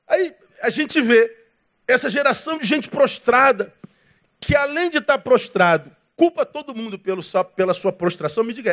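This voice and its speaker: A male pastor with a Brazilian Portuguese accent, preaching a sermon in a lively way and acting out quoted voices with humor. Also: high voice.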